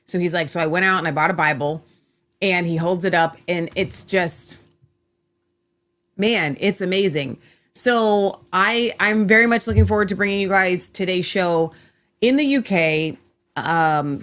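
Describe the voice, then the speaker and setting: A woman in a lower register hosts her online show from home. She talks in a chatty, rambling way and often restarts her sentences. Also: fairly bright tone. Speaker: host. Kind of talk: casual online show chat.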